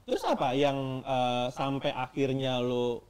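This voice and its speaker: A man's voice: mid-range voice, steady tone, measured pace, a little mellow, clean tone. A man hosting a podcast, asking curious, probing questions in chatty Jakarta slang. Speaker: podcast host. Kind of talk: casual interview questions.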